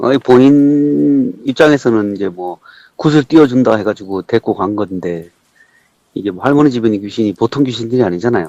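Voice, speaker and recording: A dark, mellow tone with lively intonation at a moderate pace, dry and close with no echo. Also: man, medium pitch for a man. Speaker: viewer telling a ghost story. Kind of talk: storytelling conversation.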